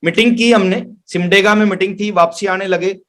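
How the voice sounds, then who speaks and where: High-pitched male motivational speaker. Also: fairly even intonation, fairly quick, fairly bright tone. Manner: emphatic, repeats phrases for effect. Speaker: business trainer, motivational speaker. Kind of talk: motivational sales training talk with anecdotes. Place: online webinar.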